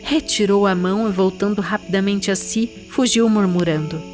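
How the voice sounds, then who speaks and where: A Brazilian woman speaks as a literary reader and podcast host, at a middling pitch for a woman. Music plays clearly behind her voice. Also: moderate pace, a little mellow. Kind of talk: literary narration and conversational book discussion.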